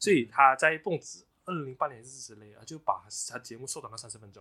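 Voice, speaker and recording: A man talks at a very fast pace with ordinary pitch variation. His tone is bright and sharp. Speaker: podcast co-host. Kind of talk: casual chat.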